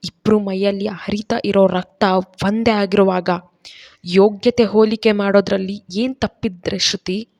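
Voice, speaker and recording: A woman's voice: mid-range voice, fairly even intonation, normal speed, darkish tone, lightly acted. Woman reading as a stern righteous husband, reproachful, lecturing, storybook audio drama.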